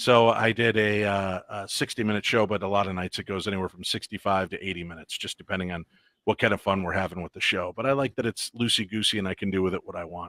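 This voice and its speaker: Hardly pausing, a man speaks very fast in a fairly low pitch with a bright, sharp tone and fairly even intonation, the sound dry and close with no echo on a very clean recording with a silent background. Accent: Midwestern US. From Illinois. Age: 50s. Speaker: paranormal radio host. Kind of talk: interview. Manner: rambling, chatty.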